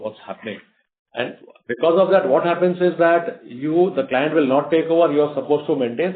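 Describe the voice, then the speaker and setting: On an earnings call, a company executive with an Indian accent fields investor questions in a mid-range voice. He speaks off the cuff and explains things at length, often repeating phrases. The audio comes through a narrow, muffled conference phone line.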